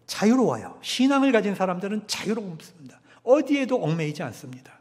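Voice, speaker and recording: Man, pastor, high voice, animated sermon delivery, echo of a church hall. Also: a little fast. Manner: emphatic preaching, swinging from loud peaks to hushed drops. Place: church sanctuary. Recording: long church hall reverb.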